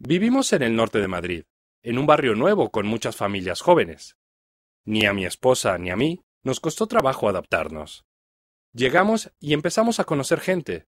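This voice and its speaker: A Mexican man with a Mexican accent reads a scripted first-person account for learners. His pitch sits mid-range but rises and falls a lot, and his delivery stays clear and measured. The sound is dry and close, as from a studio mic. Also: dry recording. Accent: Mexican Spanish. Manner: clear, even read-aloud delivery. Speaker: reader of a listening text.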